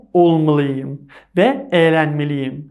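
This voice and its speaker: A man's voice carries audible room echo. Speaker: language teacher. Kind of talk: tutorial.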